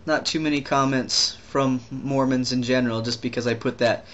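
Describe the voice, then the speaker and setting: A young trans man talking casually in a video diary, rambling and halting with many restarts and fillers. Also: medium pitch, fairly even intonation, a bit bright, lo-fi sound. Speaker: vlogger.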